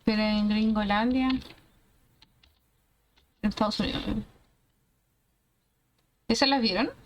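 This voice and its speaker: A woman's voice: mid-range voice, measured pace, a little hiss or hum. A young woman from Chile with a Chilean accent, chatting casually and rambling to her stream viewers. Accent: Chilean Spanish. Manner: relaxed, rambling chat to viewers.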